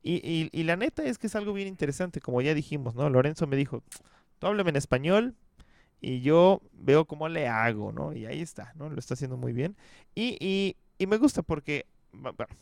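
A man with a Mexican accent hosting a casual podcast and teaching Spanish, chatting in a relaxed way with frequent tag questions. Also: a little high, normal speed, creaky, dry recording, clean studio sound.

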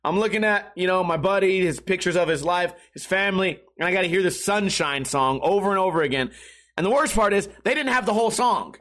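A hoarse man hosts a livestreamed podcast, his voice sitting high for a man. He rambles loosely and swears freely in easygoing chat. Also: lively intonation, fairly quick, fairly bright tone. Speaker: podcast and stream host.

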